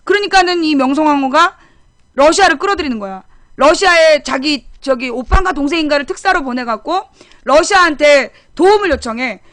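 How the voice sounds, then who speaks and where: A woman's voice: high-pitched, expressive, fairly quick, fairly bright tone, no room sound, clean studio sound. A middle-aged woman hosting a current affairs talk show, explaining history casually and bluntly, firing off rhetorical questions.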